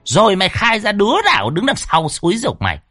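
A foul-mouthed old woman exorcist, put on by a man telling the story barks threats in a high, shrill voice. She is bossy and coarse, her pitch leaping all over the place, with a dry, husky edge. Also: huge pitch swings, quick pace, pushed and bright, dry recording, soft background music, exaggerated voice. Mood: scolding threats.

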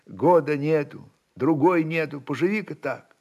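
A man's voice: fairly high pitch, a little slow, a little mellow, muffled recording, voice pushed up. A man voicing a devoted Cossack wife in a storybook reading, tearful and lamenting, with folksy, reproachful tenderness. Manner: folksy, lamenting, endearing words. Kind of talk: dramatic literary reading.

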